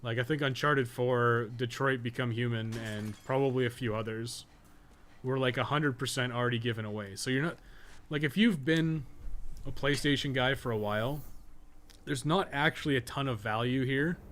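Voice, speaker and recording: Here a livestreamer and podcast co-host chats at a moderate pace, his medium-pitched voice a bit bright. As he plays, he wanders from topic to topic in a blunt, slang-heavy way, swearing now and then.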